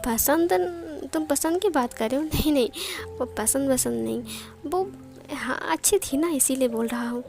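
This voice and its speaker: A woman voicing a playful young man in love, teasing and coaxing in her own high voice. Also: moderate pace, darkish tone, faint music behind.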